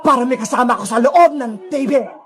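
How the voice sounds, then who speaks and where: A woman voicing a creepy female ghost who lives inside a TV, speaking in a slow, gloating, low drawl. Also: fairly bright tone, close to an everyday voice. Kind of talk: Tagalog cartoon voice acting.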